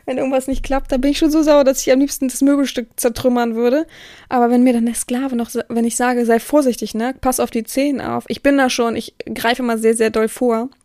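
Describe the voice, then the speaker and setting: Outspoken woman podcaster, mellow voice. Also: on the high side, little pitch movement, brisk, no room sound, studio quality. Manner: rambling, restarts sentences, exclaims "oh"; strict, outspoken. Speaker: podcast host. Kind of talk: casual podcast monologue.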